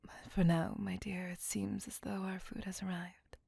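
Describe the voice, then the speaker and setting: A woman's voice: medium pitch, level tone, dark tone, no echo. A woman voicing a possessive, remorseful female vampire lover in a whispered ASMR roleplay, talking in an intimate, doting way. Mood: tender. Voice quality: whispered, breathy and gravelly. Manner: intimate, apologetic, slow and doting.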